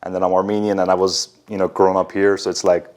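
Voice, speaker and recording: A man from Iran hosts a podcast in a very low voice. He talks quickly, in loose, relaxed phrasing full of fillers. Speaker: podcast host. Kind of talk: casual conversational interview.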